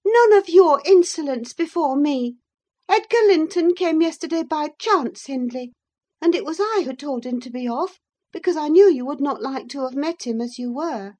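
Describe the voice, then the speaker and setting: A woman doing a peevish, high young lady. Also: expressive, moderate pace, darkish tone. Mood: indignant. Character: feverish, wilful young woman.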